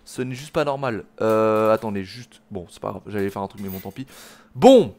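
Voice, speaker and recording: A man's voice: on the low side, animated, moderate pace, a little mellow. A man, angry, swearing and slangy, commenting on a video game he plays and talking to his viewers. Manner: swearing, slangy, talks to viewers as "les gars". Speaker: gaming video host. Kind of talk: let's play commentary.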